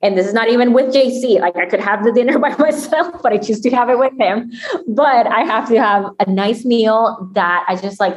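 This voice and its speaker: A woman's fairly high voice in a Spanish accent, at a moderate pace with ordinary pitch variation. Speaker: entrepreneur. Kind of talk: interview.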